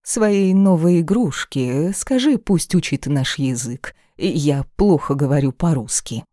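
A reader voicing the caliph's stern old grandmother, who speaks slowly and deliberately. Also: sits low, animated, mellow, no echo, clean studio sound, exaggerated voice. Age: older.

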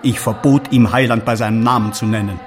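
An actor playing an embattled, zealous early Christian follower, declaiming solemnly in archaic language for a radio drama. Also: male voice, on the low side, fairly even intonation, fairly quick, soft background music, natural voice. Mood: indignant.

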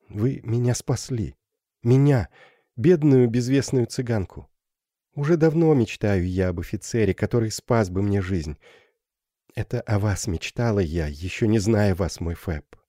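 A man's voice: lowish voice, expressive, unhurried, no room sound, studio quality. A man doing a shy, tender young Gypsy girl. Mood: tender, pleading. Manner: soft, pleading, lightly raised voice.

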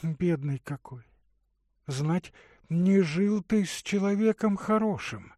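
A man's voice: sits high, expressive, slow, a little mellow, no room sound, clean studio sound, voice pushed up. A man voicing a tender, caring young woman.

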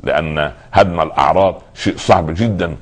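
Deep-voiced male preacher. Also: brisk. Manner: rhetorical questions, rising emphasis. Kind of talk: religious sermon.

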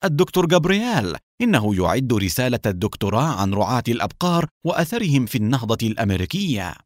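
A man voicing an amused, chatty male informant in a raised, lively tone. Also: medium pitch, fast talker, no echo, clean studio sound, lightly acted.

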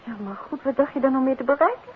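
An actress playing a detective's genteel, attentive and questioning wife in a 1950s Dutch radio drama, with a Netherlands Dutch accent. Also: female voice, high voice, very fast, narrow, tinny audio, natural voice. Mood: curious, chatty. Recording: band-limited, noisy 1950s radio recording.

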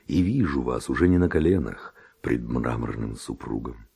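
A man's voice: a bass voice, lively intonation, normal speed, mellow, breathy edge, exaggerated voice. An actor playing a passionate Spanish nobleman seducer, speaking verse in an ardent, declamatory radio drama manner. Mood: ardent wooing.

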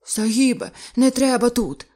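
A woman's voice: medium pitch, normal speed, warm tone, husky, lightly acted. A woman voicing a terrified male pearl diver who pleads in breathless, panicked bursts. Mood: frightened.

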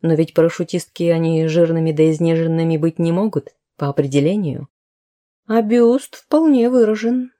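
A woman's voice: on the low side, mellow. A woman narrating a story as an audiobook, in a wry, conversational way with colloquial turns.

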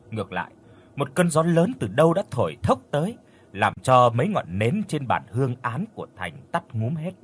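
A man's voice: medium pitch, slight background noise. A man narrating a ghost story in a dramatic storytelling manner.

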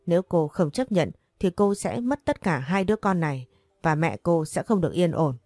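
A woman's voice: lowish voice, animated, moderate pace, darkish tone, no echo. A woman voicing a menacing middle-aged male gang boss in a storybook, speaking coldly and threateningly. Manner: cold, threatening.

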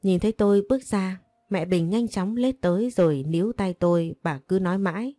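A woman narrating a first-person story in a calm, even manner. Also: mid-range voice, fairly quick, dry recording, clean studio sound.

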